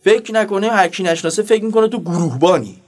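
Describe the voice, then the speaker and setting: A man's voice: sits high, expressive. A man doing a panicky, groveling carriage driver. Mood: cheeky. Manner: pleading, anxious. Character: frightened male carriage driver, cheeky then groveling.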